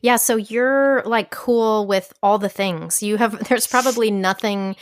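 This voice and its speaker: A woman's voice: medium pitch, unhurried, clear, resonant tone, dry recording, clean studio sound. A middle-aged woman hosting a parenting podcast, chatty and curious, laughing often as she asks questions. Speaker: podcast host. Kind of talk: podcast interview.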